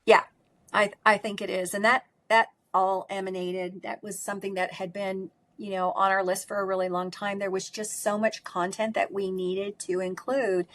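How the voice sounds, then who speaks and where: A middle-aged woman with a strong voice speaks at a medium pitch in an emphatic, conversational way. She often caps her points with a quick "right?" as she explains her work. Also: little pitch movement, a bit bright. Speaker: speech pathologist and course instructor. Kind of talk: conversational interview answers.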